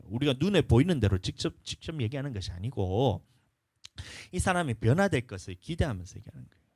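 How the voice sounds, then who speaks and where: A male pastor in his thirties preaching a lively sermon, animated and playfully acting out what people say. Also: medium pitch, no room sound, clean studio sound. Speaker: senior pastor. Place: church sanctuary.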